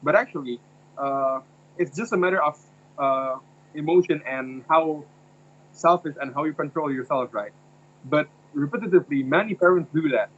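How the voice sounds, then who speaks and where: A man's voice: on the high side, normal speed, fairly bright tone, a little hiss or hum. Hesitant young man from Indonesia. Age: young adult. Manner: hesitant, searching for words. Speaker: university student. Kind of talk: casual paired discussion. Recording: dull lo-fi sound.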